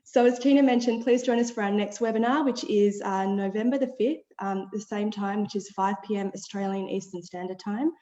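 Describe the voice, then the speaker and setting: A woman's voice: medium pitch, fairly quick, hardly any pauses, warm tone, reverberant, dull audio. A woman hosting a webinar, upbeat, reading out audience questions and wrapping up. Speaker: webinar host.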